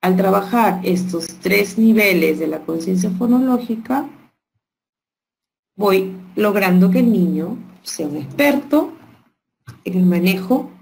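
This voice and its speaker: A woman's voice: medium pitch, expressive, unhurried, vocal fry, a little mellow, poor audio. A woman giving an online workshop lecture to teachers, explaining step by step and checking in with rhetorical questions. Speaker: teacher trainer.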